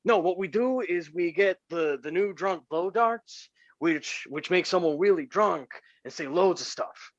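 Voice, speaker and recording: Higher-pitched man reading scripted dialogue. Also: a little slow, hardly any pauses, no echo, lo-fi sound. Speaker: amateur actor reading a character's lines.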